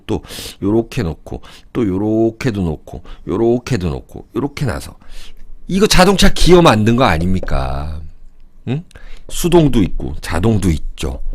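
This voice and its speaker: Low-voiced man in his fifties, animated casual lecturer, thinks aloud and asks rhetorical questions. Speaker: saju fortune-telling lecturer.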